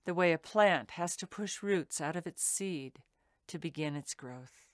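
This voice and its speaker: A woman with a fairly low voice leads a guided meditation very slowly. Her phrasing is soothing and deliberate, with pauses between phrases, and the sound is dry and close, free of room echo. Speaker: meditation teacher.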